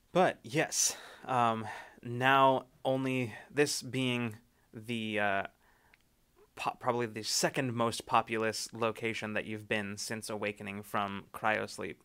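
A man's voice: on the low side, level tone, slow pace, long pauses, a bit bright, clean tone. A man narrating as game master of a tabletop game, rambling with fillers and restarts.

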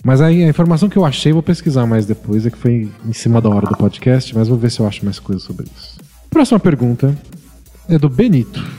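A man co-hosting a casual podcast, reading listener questions aloud and chatting about them in a relaxed way. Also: mid-range voice, fast, in a large hall, soft background music.

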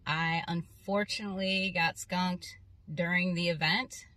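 A woman who fishes in tournaments gives a short, earnest personal statement, pausing now and then. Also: lowish voice, fairly even intonation, pushed and bright, dry recording, far from the mic. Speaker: tournament angler.

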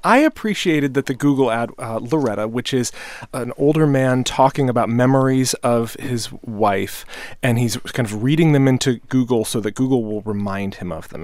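A man on a podcast panel, animated and quick to laugh, thinking aloud on a close studio mic. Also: mid-range voice, no room sound. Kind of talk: casual panel discussion.

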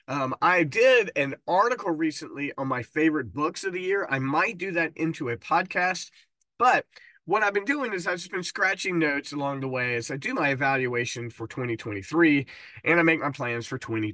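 A man's voice: fairly high pitch, sharp tone, no echo. A man hosting his own podcast in casual solo talk, his voice stuffed up from a cold and tripping over words now and then. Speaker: podcast host.

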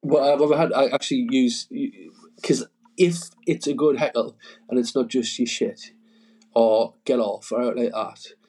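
A man's voice: mid-range voice, steady tone, moderate pace, darkish tone, slightly rough. A man, a stand-up comedian, telling stories in a rambling, casual way full of fillers and chuckles. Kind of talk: casual storytelling chat.

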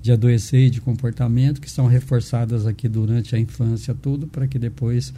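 An older man with a Brazilian accent, a physician being interviewed, talking casually and haltingly, often adding tag questions. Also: mid-range voice, little pitch movement, warm tone, a little hiss or hum. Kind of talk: casual conversational storytelling.

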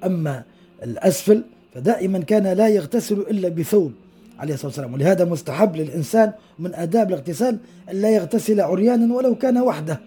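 A man's voice: sits high, lively intonation, racing, mellow, husky. A man giving a podcast religious lesson, telling hadith stories with explanatory asides and acting out the quoted dialogue.

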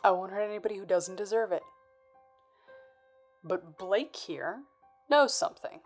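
Noir audio drama: tough crime boss, middle register, clipped, sardonic menace, faint score underneath. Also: female voice, mid-range voice, unhurried, faint music behind. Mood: menacing. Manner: sardonic, hard-boiled, clipped.

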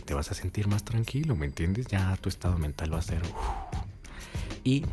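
A man hosting a podcast, giving blunt casual advice and swearing freely, often checking if the listener follows. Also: fairly low pitch. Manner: blunt and swearing, keeps asking "you get me?". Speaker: podcast host.

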